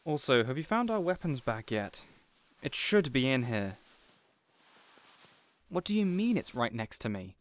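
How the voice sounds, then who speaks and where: A man's voice: mid-range voice, very animated, measured pace, long pauses. A man playing an earnest, protective supervillain boss in an audio roleplay, dramatic and easily exasperated. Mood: indignant, exasperated. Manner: earnest, exasperated, wholesome mild oaths. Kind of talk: audio roleplay addressed to the listener.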